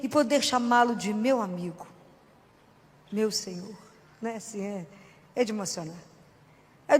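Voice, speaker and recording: A woman with a Brazilian Portuguese accent preaches a Catholic sermon in a high voice. She talks to her listeners in a direct, earnest, conversational way and stresses key words. Her voice rings in a long hall reverb.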